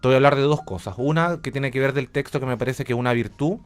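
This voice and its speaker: A Chilean man, a radio drama director and academic, speaks as a guest on a radio interview, explaining things informally and with enthusiasm. His voice sits in the mid-range and moves at a quick pace.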